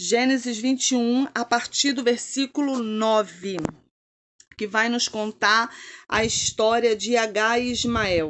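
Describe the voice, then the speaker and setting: A woman's voice at a very slow pace, with ordinary pitch variation. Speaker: pastor. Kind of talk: casual shout-outs to viewers; sermon. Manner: warm, affectionate.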